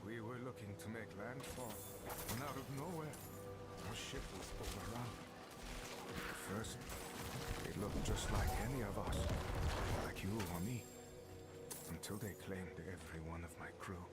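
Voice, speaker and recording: A man's voice: lowish voice, moderate pace, pauses often, close to an everyday voice. A man playing a rescued shipwrecked sailor. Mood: grim. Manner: formal, old-fashioned phrasing. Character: shaken shipwrecked sailor, grateful and formal. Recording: loud game music behind.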